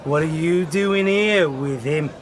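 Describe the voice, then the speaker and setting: An actor playing an aggressive, hostile Liverpool pub local in an audio drama. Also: male voice, on the high side, measured pace, crowd noise, natural voice. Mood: aggressive, contemptuous.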